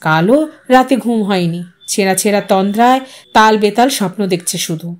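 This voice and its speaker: A woman storyteller reading literary fiction aloud as expressive, scripted audiostory narration. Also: mid-range voice, moderate pace.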